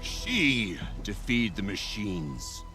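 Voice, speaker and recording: An actor playing a proud, stern tribal hunter chieftain in a video game, speaking in a solemn, formal and declamatory way with a gravelly voice. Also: male voice, lowish voice, huge pitch swings, drawn-out words, music in the background, full character voice. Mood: solemn respect. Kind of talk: dramatic video game acting.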